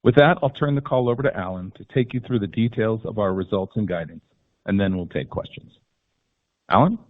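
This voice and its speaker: Low-pitched man on a tinny phone line. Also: a little fast. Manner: formal, reading prepared remarks. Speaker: company chief executive. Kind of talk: scripted earnings call presentation. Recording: tinny phone-line conference call audio.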